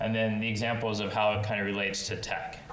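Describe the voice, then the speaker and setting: A man's medium-pitched voice comes through noticeable background noise and audible room echo. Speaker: small business development center director. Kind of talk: presentation to live audience. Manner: fast.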